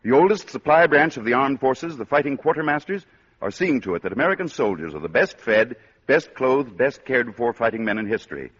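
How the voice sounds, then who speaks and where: A man's voice: mid-range voice, very animated, a little fast, a bit bright, breathy edge. A man hosting a 1940s radio drama with genial, polished announcer patter. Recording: dull lo-fi 1940s radio broadcast.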